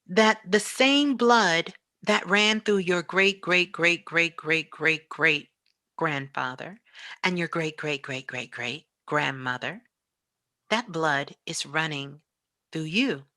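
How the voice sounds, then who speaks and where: Bright-voiced woman giving an unhurried spiritual talk. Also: deep voice, no echo, studio quality. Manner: emphatic, preaching, repeats phrases for effect. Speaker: spiritual teacher and guest speaker.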